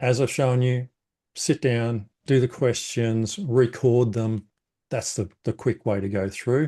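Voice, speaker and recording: With an Australian accent and a dark, mellow tone, a man talks at a very slow pace and medium pitch with ordinary pitch variation against a quiet background. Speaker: AI trainer and business coach. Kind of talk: webinar presentation.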